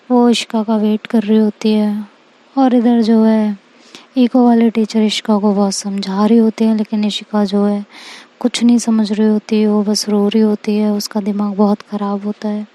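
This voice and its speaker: A woman's voice: mid-range voice, flat delivery, unhurried, dark tone. A woman telling a story in a loose, casual way, full of filler phrases.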